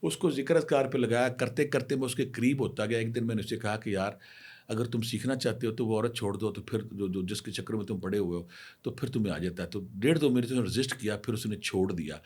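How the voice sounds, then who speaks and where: A man's voice: on the low side, darkish tone, slightly rough. A middle-aged man from Pakistan, a spiritual healer telling anecdotes and giving emphatic marriage advice straight to women viewers. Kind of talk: storytelling advice talk.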